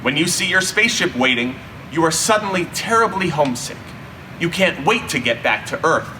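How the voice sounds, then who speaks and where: A man narrating a children's story expressively, with dramatic, drawn-out emphasis and deliberate pauses. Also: on the high side, lively intonation. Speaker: storyteller reading a children's book. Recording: distant mic, faint background hum.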